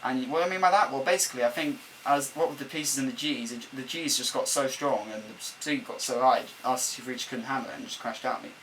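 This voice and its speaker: A man's voice: mid-range voice, brisk, few pauses, a bit bright, low-quality recording. A young man with a chatty, rambling manner, giving a game-building commentary voice-over at his desk, recorded on an old camcorder's microphone instead of a proper mic. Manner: rambling, self-correcting, chatty. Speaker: let's-play builder. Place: at a desk at home. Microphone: camera microphone, not a desk mic. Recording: faint hum from a camcorder mic. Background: faint laptop fan hum.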